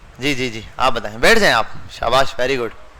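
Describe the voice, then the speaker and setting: A man's voice with audible room echo. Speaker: computer course instructor. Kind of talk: classroom lecture. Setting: classroom with students. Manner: animated.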